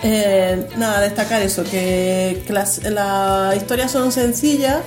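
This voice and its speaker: A woman hosting a relaxed radio chat, chatty and quick to laugh, often starting a sentence over. Her voice sits at an ordinary middle pitch. Music plays clearly beneath her. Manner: chatty, laughs easily, many restarts. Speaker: radio host. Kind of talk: casual radio chat reviewing a series.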